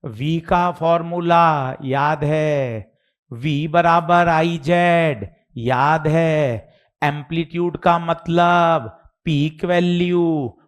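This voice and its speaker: A man teaching physics in a live online class, explaining slowly and deliberately and acting out his students' questions. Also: fairly high pitch, fairly even intonation, clean tone. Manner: addresses students informally, mimics their questions.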